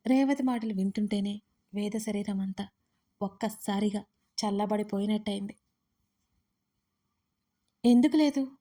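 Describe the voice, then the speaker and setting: A woman storyteller reading a dramatic audio story in a steady, scripted narration. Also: medium pitch, normal speed.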